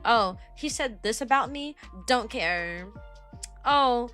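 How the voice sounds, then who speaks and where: Raspy-voiced woman streamer, bright tone. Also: a little high, expressive, slow, faint music behind. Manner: chatty and rambling, casual slang. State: raspy, weak voice from allergies. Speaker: VTuber streamer. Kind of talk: casual livestream chat, replying to chat.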